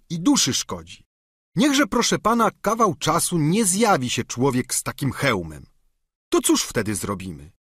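A man's voice: a little high, a bit bright, slightly rough, no echo, studio quality, voice pushed up, full character voice. A man reading an audiobook, voicing an eager, plain-spoken peasant squire with a pleading manner.

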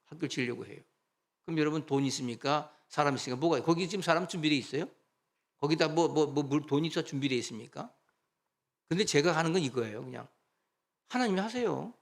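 A man preaching a sermon as pastor, animated and conversational, asking his congregation rhetorical questions. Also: a little high, fast talker. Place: church sanctuary.

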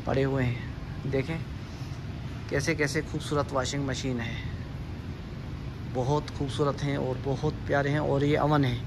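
A man walking through a supermarket with his phone, leisurely pointing out the goods and reading their prices. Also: medium pitch. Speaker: vlogger. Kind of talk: walking store tour vlog. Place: large indoor supermarket. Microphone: handheld phone camera. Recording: noisy store ambience.

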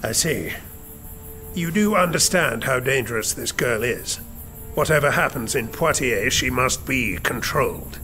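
Scheming, commanding royal chamberlain. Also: male voice, mid-range voice, lively intonation, a little slow, pushed and bright, faint music behind. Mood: menacing, commanding. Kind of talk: audio drama acting.

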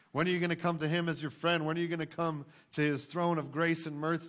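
A man's voice: mid-range voice, fairly bright tone. An American man in his forties preaching as a pastor in an emphatic way, repeating key phrases. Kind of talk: sermon. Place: church stage, indoors.

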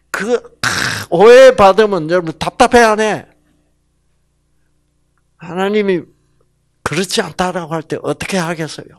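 A man preaching a sermon in a lively, animated way, asking the audience questions and acting out voices. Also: sits high, no echo, studio quality. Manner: animated, rhetorical questions, acts out voices in regional dialects.

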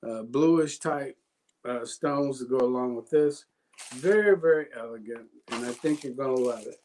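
A man presenting a live jewelry sale in a casual, jokey way, sleepy and yawning, calling out items with loud exclamations. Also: medium pitch, normal speed, slight background noise. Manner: jokey, self-deprecating, announces items with exclamations. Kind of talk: casual live sales pitch.

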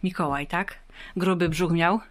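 A woman and mother chatting warmly in a home vlog, coaxing her child with questions. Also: on the low side, fairly even intonation, a little slow. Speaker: vlogger and mother. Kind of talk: casual family vlog.

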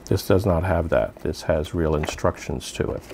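A man's voice: rumbling low, moderate pace, creaky, darkish tone, a little hiss or hum. A man giving casual unboxing commentary as a product reviewer, musing aloud to himself as he goes.

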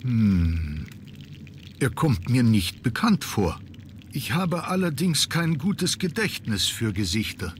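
A man's voice: medium pitch, big pitch swings, slow pace, slight background noise. A man playing a reserved, weary butler in an adventure game, formal, deferential and resigned. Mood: apologetic, guarded. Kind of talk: scripted adventure game dialogue.

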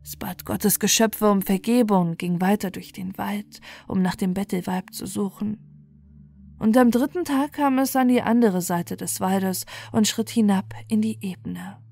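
A woman narrates a bedtime fairy tale in a mid-pitched voice. Her reading is measured and expressive, with music playing behind. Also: creaky. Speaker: storyteller.

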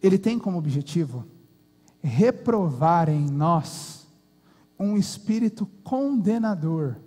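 A man's voice: sits high, sing-song, slow, warm tone, husky, faint music behind. A Brazilian man preaching a sermon and telling folksy stories in a church hall. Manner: folksy, colloquial storyteller. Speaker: pastor. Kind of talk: sermon with storytelling. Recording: long hall reverb.

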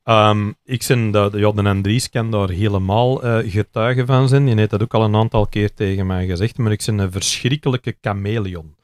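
A man's voice: lowish voice, fairly even intonation, no room sound. A man with a Flemish accent hosting a podcast, talking at length in a rambling, chatty way. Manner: talkative, rambling explanations with quick asides. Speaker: podcast host. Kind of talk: casual podcast conversation.

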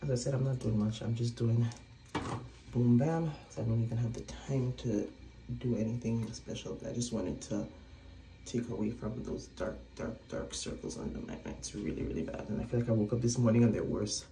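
A woman's voice: extremely low pitch, a little fast, dark tone, reverberant, low-quality recording. A woman in her thirties chatting casually to a close phone camera while doing her makeup, her voice a little throaty. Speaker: vlogger. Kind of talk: casual vlog chat to camera. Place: small indoor room, by a window.

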